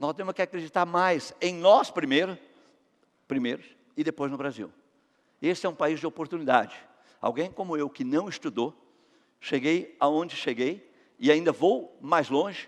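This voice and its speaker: A man's fairly high voice at a moderate pace, animated in tone with ordinary pitch variation, broken by long, frequent pauses over a quiet background. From Brazil. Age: 60s. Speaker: business founder. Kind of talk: motivational talk.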